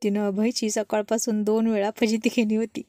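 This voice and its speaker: A woman storyteller reading a love story aloud, in an expressive read-aloud manner. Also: mid-range voice, normal speed, dry recording, studio quality. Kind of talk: storybook narration.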